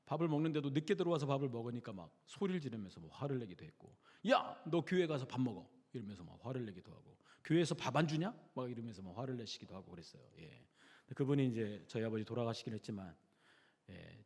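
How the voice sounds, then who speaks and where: A man's voice: lowish voice, lively intonation, quick pace, vocal fry, mellow, breathy edge. A man preaching a Wednesday sermon in a conversational way, often putting questions to the congregation. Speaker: pastor. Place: church sanctuary. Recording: long church hall reverb.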